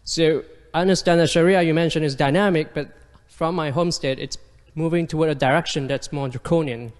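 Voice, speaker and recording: A man's voice: fairly high pitch, fairly even intonation, fairly quick. A man from Malaysia in the audience at a public talk, asking an earnest, direct question from the floor. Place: lecture hall. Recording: long hall reverb.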